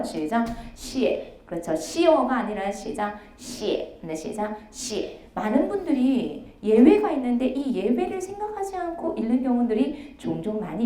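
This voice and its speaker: A woman's voice: fairly high pitch, dark tone. Teacher woman drilling pronunciation in an echoey room. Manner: brisk, repeats cue word then models each sound. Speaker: Chinese language teacher. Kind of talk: online lecture with call-and-response drills.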